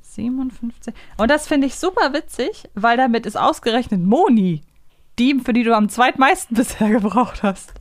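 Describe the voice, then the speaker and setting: A woman's voice: on the high side, animated, normal speed, no echo. A woman co-hosting a guessing game in casual chat, thinking aloud and asking short questions. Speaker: co-host of a fan quiz show.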